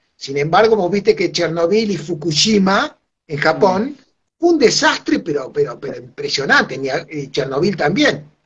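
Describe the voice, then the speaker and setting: This man has an Argentine accent and a high pitch. He talks at a fairly slow pace with very wide pitch swings. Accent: Argentine Spanish (voseo). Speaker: health website director and activist. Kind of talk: interview.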